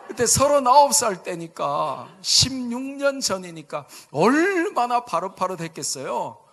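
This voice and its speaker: Pastor in his 50s, Busan accent, lively and jokey, slightly higher voice, church sermon. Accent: Busan Gyeongsang dialect. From Busan, South Korea. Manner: animated, jokey, asks the congregation for replies. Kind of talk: humorous storytelling sermon. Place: church sanctuary.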